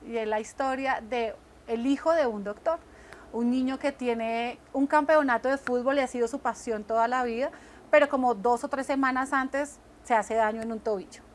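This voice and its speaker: A woman's voice: fairly high pitch, normal speed, slight background noise. A woman, co-hosting a Christian talk show, speaking earnestly about faith and often asking "right?" to check in. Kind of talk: faith-based casual conversation.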